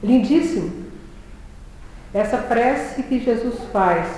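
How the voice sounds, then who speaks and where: A woman giving a reflective religious talk, reading scripture aloud slowly and solemnly. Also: on the high side, lively intonation, warm tone, a little hiss or hum. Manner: reads scripture aloud in a slow, solemn cadence. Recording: very echoey hall.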